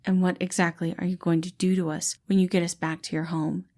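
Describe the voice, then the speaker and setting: A woman's voice: on the low side, flat delivery, brisk, a little mellow, close to an everyday voice. A woman voicing a wary, protective tiny man in a storybook, speaking in a curt, reluctant way. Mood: suspicious, guarded. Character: wary, guarded tiny male borrower, protective and terse.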